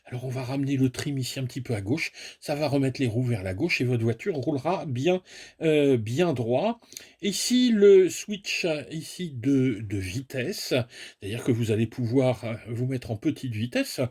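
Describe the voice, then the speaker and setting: Male reviewer, husky tone, chatty casual unboxing, talks viewers through it step by step. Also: mid-range voice, lively intonation, normal speed, darkish tone. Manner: chatty, self-mocking, explains step by step. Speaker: toy and hobby product reviewer.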